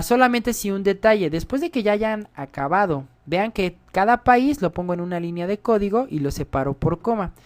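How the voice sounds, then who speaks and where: Chatty man teaching code. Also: fairly high pitch. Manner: chatty, explains step by step, often asks "¿sale?". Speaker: programming tutor. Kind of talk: screen-recorded coding tutorial.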